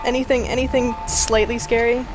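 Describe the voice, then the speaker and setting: Female let's play sidekick, wry casual chat with clear music underneath. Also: fairly high pitch, flat delivery, a little fast, poor audio. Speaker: co-commentator. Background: video game music.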